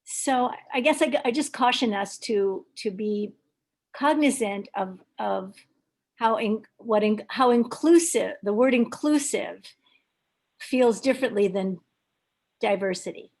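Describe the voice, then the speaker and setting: An older woman from Hawaii, speaking in a meeting with many pauses, ums and restarts. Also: fairly high pitch, darkish tone. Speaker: club member at a video meeting. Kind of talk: hesitant casual remarks.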